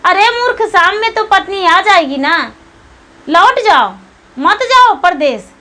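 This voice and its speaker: An older wandering holy man, calm and chiding, who speaks slowly and patiently. A woman storyteller voices him in her own very high, bright voice. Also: full character voice. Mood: gently chiding.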